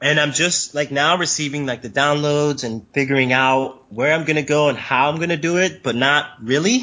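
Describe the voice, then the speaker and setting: A man with an American accent talks at a moderate pace with hardly any pauses, a fairly high pitch and ordinary pitch variation. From US South. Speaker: author. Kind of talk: interview. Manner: animated.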